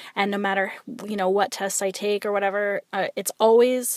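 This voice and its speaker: Speaking at a moderate pace, a woman has a normal speaking voice at medium pitch. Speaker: podcast listener. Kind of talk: recorded voice message.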